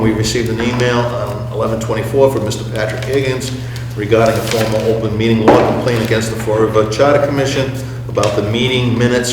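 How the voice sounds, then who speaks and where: Man chairing a meeting in an echoey hall. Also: lowish voice. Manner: measured, formal, procedural. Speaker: commission chairman running a public meeting. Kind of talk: formal meeting procedure, reading out agenda items. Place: public meeting room at a middle school. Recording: very echoey hall, clear background hum.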